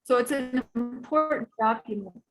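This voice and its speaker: A woman on a committee speaking at a public meeting over a video call, explaining in halting, deliberate phrases while her audio cuts in and out with uneven volume. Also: fairly high pitch, loud music behind the voice. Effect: choppy call audio cutting in and out, uneven volume. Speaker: planning committee member.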